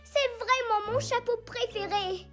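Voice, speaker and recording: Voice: very high voice, unhurried, fairly bright tone, faint music behind. A performer voicing an earnest, worried young child in a French cartoon dub.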